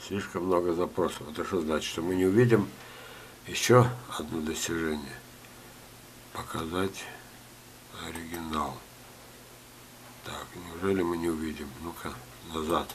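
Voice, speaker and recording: Coughing older man with a low voice. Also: steady tone, normal speed, pauses often, a little hiss or hum. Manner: coughs often, chatty asides and jokes. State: ill, coughing. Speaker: gardening teacher. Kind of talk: screen-share talk reading viewer letters.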